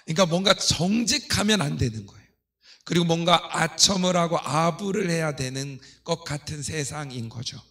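A man's voice: a little high, normal speed, a bit bright. A middle-aged man preaching as a pastor, explaining scripture to his congregation in a teaching manner. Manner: didactic, asking rhetorical questions and leading readings. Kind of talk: sermon, expounding scripture to a congregation. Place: church pulpit, indoors.

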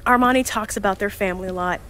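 An actress voices Jules, a cheerful, talkative young woman who organizes a time capsule team and narrates its recordings. Her mid-range voice is a bit bright and very fast, with light acting. She comes across as bubbly, chatty, and flustered.

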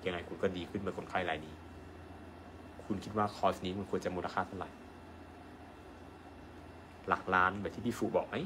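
A man, a doctor, giving an animated live-stream sales pitch and asking his viewers rhetorical questions. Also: brisk, long pauses, background noise. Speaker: acupuncture doctor selling an online course.

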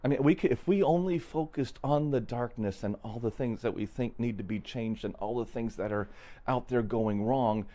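A man with a warm, medium-pitched voice hosts a solo podcast while traveling in an RV, speaking at a moderate pace. He thinks aloud in an unscripted, reflective, musing way, often restarting his sentences and chuckling.

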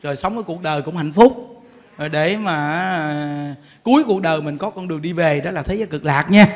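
A man's voice: a little high, brisk. A man with a Southern Vietnamese accent, a Buddhist monk preaching a folksy sermon to lay followers and often asking them rhetorical questions. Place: temple hall.

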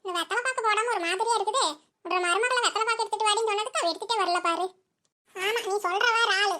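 A woman's voice: very high voice, fast, pushed and bright. A woman voicing a nosy, scolding old village mother-in-law in a cartoon comedy, grumbling and bossy in Kongu Tamil.

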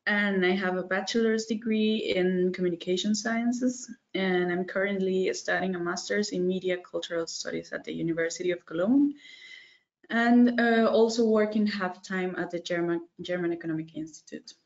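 A woman's voice: lowish voice, fairly even intonation, moderate pace, dull audio. Woman from Costa Rica on a video call. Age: 30s. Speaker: webinar guest. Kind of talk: casual interview answers.

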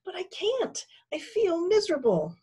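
A woman's voice: on the high side, expressive, moderate pace, pitched above the performer's own voice, close to an everyday voice. A woman voicing a loyal, fierce little talking bone from a storybook, with theatrical, emphatic delivery. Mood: tender, sorrowful. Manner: theatrical, emphatic, old-fashioned insults. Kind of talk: storybook character voice.

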